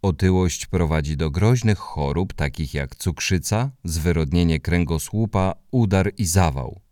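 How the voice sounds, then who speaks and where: A man reading an audiobook, voicing a young schoolboy who recites facts in a flat, bookish monotone. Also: sits low, a little slow, dry recording, studio quality. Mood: flat reciting. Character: flat-voiced second-grade boy reciting facts.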